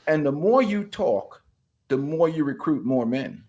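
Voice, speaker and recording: A man's voice: on the high side, unhurried. A man from the Bahamas, a podcast guest talking in an emphatic, opinionated, casual way. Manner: emphatic, animated, laughs while talking.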